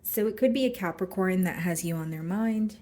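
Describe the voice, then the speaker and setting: Hoarse woman reading tarot cards, kinda low and mellow voice, thinking out loud to viewers. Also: brisk, echoey room. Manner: thinks aloud while drawing cards, speaking straight to viewers. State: hoarse, losing her voice. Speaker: tarot card reader. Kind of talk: casual tarot reading to camera.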